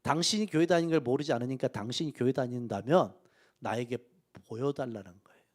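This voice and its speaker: A middle-aged man preaching a sermon in a church, telling a personal story and swinging between soft, hushed asides and loud, emphatic peaks. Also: mid-range voice, fast talker. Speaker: pastor. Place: church sanctuary.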